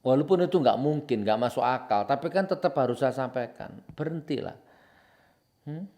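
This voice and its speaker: A man preaching with confrontation, hammering out repeated accusations and swinging from low and solemn to loud and heated. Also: lively intonation, moderate pace. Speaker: Islamic preacher. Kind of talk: impassioned preaching commentary.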